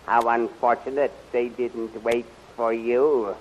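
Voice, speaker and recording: A man's voice: mid-range voice, little pitch movement, slow pace, natural voice. Guy playing suave mocking villain, old 30s radio serial, dull sound w/ some hiss. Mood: smug, mocking. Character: smug, mocking male villain of a palace court. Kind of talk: 1930s radio serial acting. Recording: muffled, noisy 1930s radio recording.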